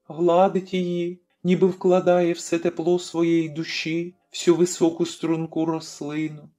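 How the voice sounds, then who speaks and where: Slow measured audiobook narrator. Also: medium pitch. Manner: slow, measured, dropping soft at line ends. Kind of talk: scripted literary narration.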